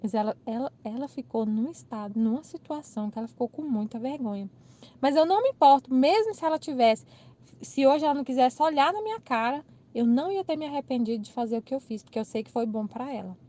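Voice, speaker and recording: A channel host with a Brazilian Portuguese accent tells a casual story about an everyday mix-up, talking fast in a lively, chatty way. Her voice is a little high, and she laughs as she retells it, acting out the other people's lines in quoted dialogue.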